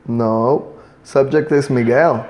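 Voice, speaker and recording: A man's voice: medium pitch, fairly even intonation, takes it slowly, darkish tone. A man teaching an English class, patiently drilling a student with prompts and switching between two languages.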